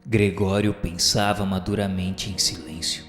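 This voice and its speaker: A man's voice: low voice, steady tone, a little slow. A man narrating a scripted radio drama in a formal, literary manner. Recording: echoing long reverb, music underneath.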